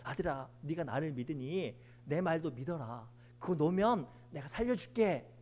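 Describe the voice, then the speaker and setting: A man voicing God as a calm, fatherly figure reassuring a man in a sermon joke. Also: a little high, moderate pace.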